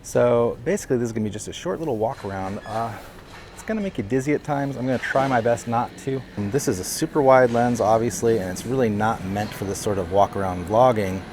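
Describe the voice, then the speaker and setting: A vlogger walks city streets outdoors, chatting casually into a lavalier mic, slightly out of breath from the walk. His mid-range voice is fairly quick and a little mellow, and he rambles with fillers and amused laughs over a bit of hiss or hum.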